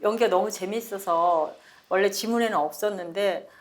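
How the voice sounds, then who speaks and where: Lively older woman telling stories. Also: mid-range voice, normal speed. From Seoul, South Korea. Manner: lively storytelling, acts out quoted dialogue, laughs often. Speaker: actress, guest. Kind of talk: casual interview chat.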